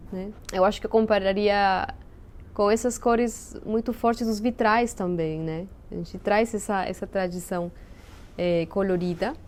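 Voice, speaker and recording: A woman's voice: medium pitch, a little mellow. A Peruvian woman with a Spanish accent, a native Spanish speaker, talking as an interview guest in a thoughtful, explanatory way and sometimes searching for words. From Peru. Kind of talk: casual interview chat.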